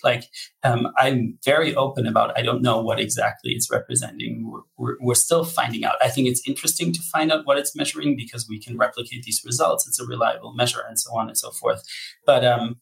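A man's voice: mid-range voice, brisk, creaky, a bit bright, rough recording. A man being interviewed as a psychology researcher, answering candidly with frequent ums and restarts.

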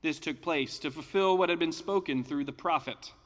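A male pastor reading scripture and preaching a sermon in a measured, deliberate way, recorded in a church sanctuary. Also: on the high side, fairly bright tone, big-room sound.

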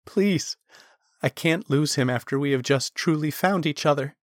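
A man's voice: a little high, moderate pace, no echo, clean studio sound, pitched above the performer's own voice, natural voice. A man voicing a desperate, fiercely devoted young male who begs and wails in a strained voice in a fantasy audiobook. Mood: pleading. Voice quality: shaky, strained. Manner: wailing, begging.

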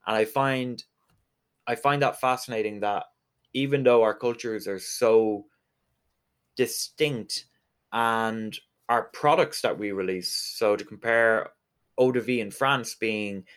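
A man's voice: on the low side, takes it slowly, fairly bright tone, smooth. A man from Galway with a west of Ireland accent, explaining things conversationally as an interview guest. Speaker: interview guest, whiskey distillery representative.

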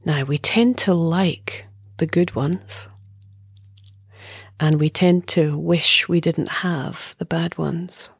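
A woman guides a meditation in a soft, breathy, lowish voice that often sinks close to a whisper. She speaks very slowly and calmly, leaving long pauses. The sound is close and dry. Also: no echo. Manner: calm, soothing, unhurried with long pauses. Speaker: meditation teacher.

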